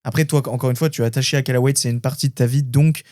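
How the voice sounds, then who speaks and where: Mellow male podcast host. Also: medium pitch, steady tone, rapid-fire, no room sound, studio quality. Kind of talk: casual interview chat.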